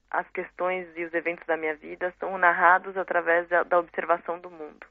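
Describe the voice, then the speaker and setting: Brazilian woman on a gravelly phone line. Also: lowish voice, dry recording. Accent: Brazilian Portuguese. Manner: reflective, searching for words, frequent tag questions. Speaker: guest poet. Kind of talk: casual interview talk. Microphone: phone call. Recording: tinny dry phone line.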